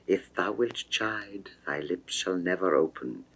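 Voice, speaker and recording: A male reader plays an amorous goddess in a seductive, coaxing mood. The delivery is theatrical and ornate, very slow, in a deep register, as in a vintage sixties recording of dramatic verse. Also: a bit bright, slightly rough, exaggerated voice, low-quality recording. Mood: teasing threat. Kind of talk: 1960s dramatic verse reading.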